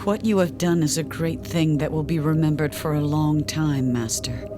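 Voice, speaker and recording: A woman's voice: sits low, moderate pace, over music, natural voice. An actress playing a desperate middle-aged mother and devoted follower in an audio drama. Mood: reverent.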